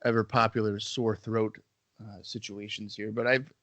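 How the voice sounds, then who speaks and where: Talking at normal speed in a fairly low, level voice with a somewhat bright tone, this podcast host jokes around casually despite a stuffy head cold. He's on his own microphone over an internet call, recorded dry with the highs cut off.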